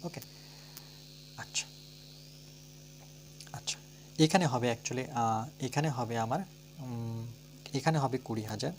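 A man with a Bengali accent teaches a math lesson at a middle pitch. He walks through each step, counting slowly aloud and spelling words out letter by letter. A faint hiss and hum sit under his voice. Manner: talks through steps, asking and answering his own questions.

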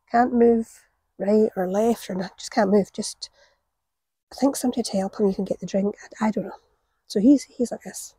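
Woman, forties, mellow husky voice, dry outdoor sound, chatty storyteller. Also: medium pitch, no echo, rough recording. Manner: chatty storytelling, laughs at her own tales. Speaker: gardening vlogger. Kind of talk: casual chat to camera while gardening. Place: outdoor allotment garden. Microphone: camera on the ground a few metres away.

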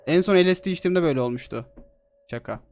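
A man giving excitable, joking let's-play commentary on a horror game, swearing freely. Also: high voice, very fast, slight background noise. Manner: excitable, swears a lot, jokey. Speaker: gaming streamer.

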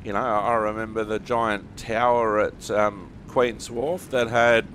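A man's voice: fairly low pitch, steady tone, a little slow, fairly bright tone. An Australian man chatting casually and reflectively, in a rambling way, while playing a driving game. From Australia (Western Sydney). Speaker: host of a truck simulator gaming series. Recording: vehicle engine and road noise behind voice. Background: truck simulator game sounds, engine and road.

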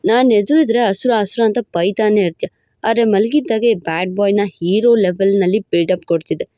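A woman voicing a playful, cocky young husband in a storybook romance, with a low, smug, teasing drawl. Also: moderate pace, no room sound, highs cut off, lightly acted. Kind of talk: storybook narration with voiced roles.

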